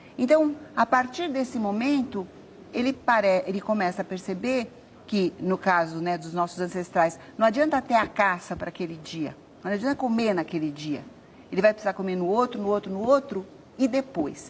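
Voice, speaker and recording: A woman speaks at a moderate pace and a medium pitch, sounding somewhat breathy. Her intonation is lively. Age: 60s. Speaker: anthropologist and educator, book author. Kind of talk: TV interview. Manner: hesitant, with repetitions.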